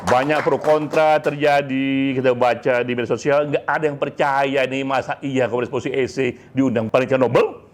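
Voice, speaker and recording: A man delivers an informal speech in a mid-pitched voice. He is emphatic and pauses deliberately between phrases, often adding little tags. Some background noise and ambience sit behind him. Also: fairly even intonation. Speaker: speaker, leader of a poetry community. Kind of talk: informal monologue speech to a community.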